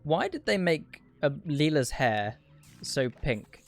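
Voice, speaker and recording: A man's voice: a little high, big pitch swings, slow pace, gravelly. A man giving casual livestream speedrun commentary in a dry, rambling, sweary way. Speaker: video game speedrunner and streamer. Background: game music.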